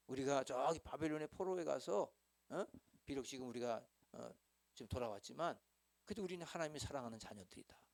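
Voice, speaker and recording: A middle-aged senior pastor with a medium-pitched, darkish voice and some vocal fry teaches small-group leaders in a church hall. He's talkative, acts out quoted dialogue, and repeatedly asks his listeners to respond.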